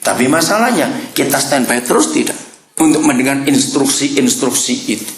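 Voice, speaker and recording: A male pastor giving a lively sermon, speaking straight to his congregation, asking for their responses and breaking into sudden shouts. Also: mid-range voice, moderate pace, slight background noise. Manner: animated, swings from calm talk to sudden shouts. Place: church hall. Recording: echoey church hall.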